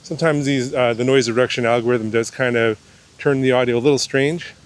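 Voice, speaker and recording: A man's voice: mid-range voice, steady tone, fairly quick. A man talking outdoors into a wireless clip-on mic with noise reduction processing on, vlogging casually about camera gear with lots of fillers and restarts. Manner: rambling, many fillers and restarts. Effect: noise reduction processing on the mic audio. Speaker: camera reviewer. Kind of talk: casual gear-test vlog. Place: outdoors among trees.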